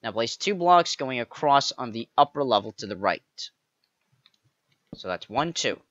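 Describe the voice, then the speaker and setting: A man narrating a step-by-step game building tutorial, counting blocks aloud with playful jokey asides and a slightly raspy voice. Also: medium pitch, expressive, normal speed, fairly bright tone, no echo, muffled recording. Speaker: pixel art tutorial creator.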